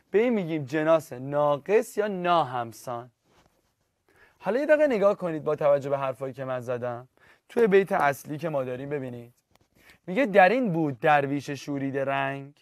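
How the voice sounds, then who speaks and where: Man, literature teacher, online class, lively, somewhat high voice, dry close sound. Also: dry recording. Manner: lively, addresses students directly, repeats key terms.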